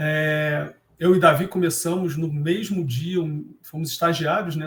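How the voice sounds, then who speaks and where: This man speaks at a high pitch. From Rio de Janeiro, Brazil. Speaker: engineer and consulting director. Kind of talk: podcast interview. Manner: casual, hesitant with many fillers.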